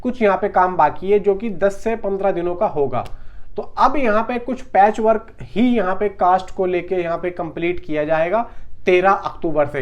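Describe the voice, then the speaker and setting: A man's voice: sits high, dull audio. A man giving casual film news commentary in a conversational, emphatic, repetitive way, talking straight to his viewers.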